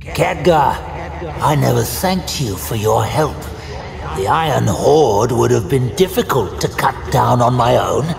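A man voicing a sinister, resentful warlock with a gravelly voice in an audiobook drama. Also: medium pitch, lively intonation, a little slow, crowd noise. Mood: mocking. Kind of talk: audiobook drama character acting. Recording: echoing reverb, music behind.

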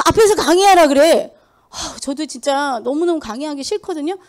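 A woman's voice: high voice, animated, a little fast, a little mellow. A middle-aged woman giving a motivational sales lecture, emphatic, firing rhetorical questions at her audience and mimicking people's excuses. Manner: acts out quoted excuses in mocking voices. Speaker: sales seminar speaker. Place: lecture hall.

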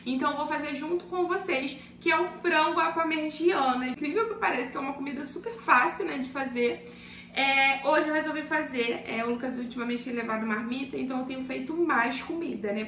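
High-voiced chatty woman vlogging in her kitchen. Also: sharp tone, far from the mic, slight background noise. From Brazil. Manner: chatty, addresses viewers affectionately. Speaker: cooking vlogger. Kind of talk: casual cooking vlog. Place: home kitchen, indoors. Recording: echoey kitchen from off-mic with music.

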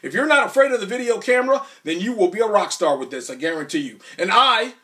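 A middle-aged man gives a motivational MLM recruiter pitch, speaking emphatically and urging the listener on directly. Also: lively intonation, quick pace, bright, forceful tone. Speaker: network marketer and video marketer. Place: small room at home, indoors. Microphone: camera or phone mic a few steps away. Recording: distant camera microphone.

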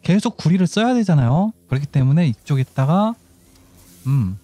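A man's voice: fairly high pitch, very animated, moderate pace, dark tone, dry recording. A man giving casual game tutorial commentary, explaining step by step and thinking aloud as he goes. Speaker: gaming channel host.

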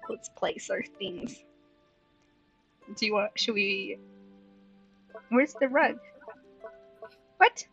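A high-voiced woman hosts a casual let's play, murmuring her thoughts and breaking into playful exclamations. Her microphone sounds slightly dull, and game music plays behind her. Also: drawn-out words, long pauses, fairly bright tone. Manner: playful, exclaiming, mutters to herself. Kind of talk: casual gaming chat, thinking aloud.

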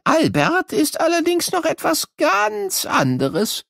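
Quirky old cartoon professor, very high swooping voice, playful and excitable, for kids' audio play. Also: male voice, vocal fry, dry recording, studio quality, full character voice. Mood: weary, playful. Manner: playful, exclaiming, drawn-out words, invents silly words. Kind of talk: children's educational audio play.

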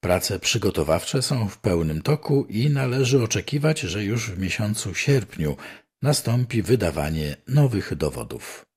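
An older man with a deep, low-pitched voice that is slightly husky. He reads old newspaper articles aloud in a formal, measured and declamatory way. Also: big pitch swings, a little mellow. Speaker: newspaper reader.

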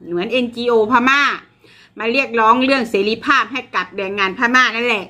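A woman's voice: fairly high pitch, a little fast, sharp tone. An older woman hosting her channel, casually reading and explaining online comments to viewers with lots of fillers. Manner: chatty, addresses viewers, frequent fillers, laughs at jokes. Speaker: channel host.

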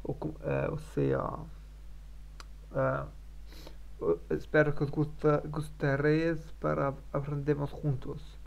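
A non-native man speaks in a slow, halting way, with a gravelly edge to his fairly high voice. He stops, repeats and corrects himself all the time. The stream audio sounds a bit muffled. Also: lively intonation. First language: not Spanish. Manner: hesitant, many fillers and restarts, self-correcting. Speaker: language learner streaming his practice. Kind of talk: halting live-stream practice talk.

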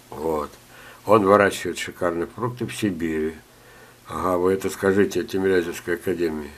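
Older male gardening teacher, low-pitched, coughing, chatty with jokes. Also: slight background noise. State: ill, coughing. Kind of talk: screen-share talk reading viewer letters.

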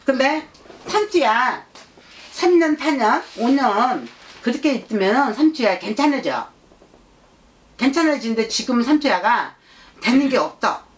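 Woman as a high-pitched, insistent child spirit. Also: sing-song, moderate pace, pauses often. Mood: earnest, nagging. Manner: childish, insistent, repetitive, scolding with prompting questions. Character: blunt, childlike child spirit channeled by a shaman. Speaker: shaman fortune-teller. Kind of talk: shamanic consultation, speaking as a spirit.

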